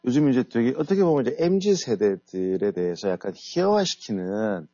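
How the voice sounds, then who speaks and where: A middle-aged man who heads a company, being interviewed on the radio. He explains his ideas in a measured way. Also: medium pitch, sing-song, warm tone, dry recording. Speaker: guest author and company head. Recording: dull lo-fi radio studio audio.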